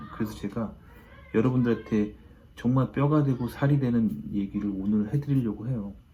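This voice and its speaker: A man's somewhat breathy, dark and mellow voice at medium pitch, with ordinary pitch variation at a moderate pace. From South Korea. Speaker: YouTuber, PhD engineer. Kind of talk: vlog monologue.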